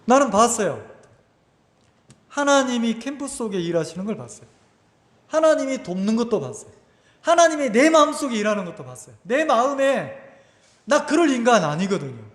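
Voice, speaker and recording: A man preaches a lively, conversational sermon, his voice sitting high and leaping widely in pitch. He keeps asking the congregation questions. The recording carries a long, roomy church echo. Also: normal speed, pauses often. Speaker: pastor. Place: church sanctuary. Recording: echoey church hall.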